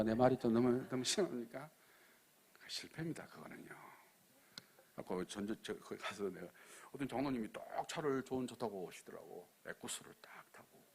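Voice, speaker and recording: A man with a Jeolla accent preaching a sermon as a missionary, telling stories with sudden loud emphasis and near-whispers. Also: medium pitch, husky. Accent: Jeolla dialect.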